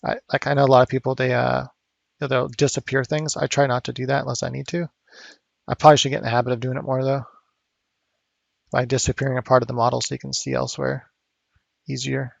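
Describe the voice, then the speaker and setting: A man's voice: mid-range voice, flat delivery, fast, vocal fry, long pauses, no room sound. A man teaching digital sculpting at home, talking casually and thinking aloud with fillers as he works. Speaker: art instructor. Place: home studio.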